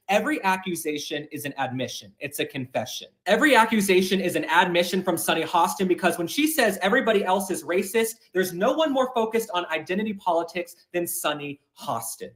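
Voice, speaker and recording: A male commentator with a fairly high voice delivers scripted commentary. His delivery is punchy and sarcastic, with crisp, rehearsed phrasing. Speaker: political commentator.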